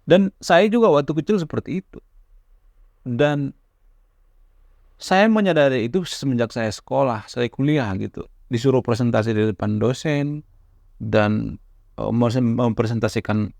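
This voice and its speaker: A man talks casually to camera as a YouTube host, in an average-pitched voice. He stammers now and then, breaking off and restarting words. The sound is dry and close, with no room around it. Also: creaky, a little mellow, no echo. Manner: stammers at times, restarts words, conversational fillers. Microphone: camera mic, close.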